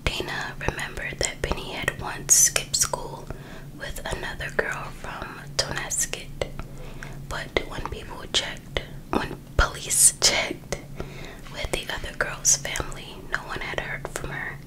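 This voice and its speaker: A woman softly whispering an ASMR reading as host, in a hushed, unhurried storytelling manner. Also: poor audio. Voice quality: soft unvoiced whisper. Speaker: ASMR host reading a true crime book.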